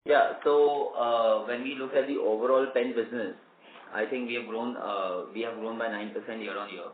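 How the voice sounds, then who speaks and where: A man with an Indian accent answering analysts as a company executive, hesitant and measured. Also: medium pitch, steady tone. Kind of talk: earnings call answers. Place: conference call, roomy space. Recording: echoey, hissy phone line.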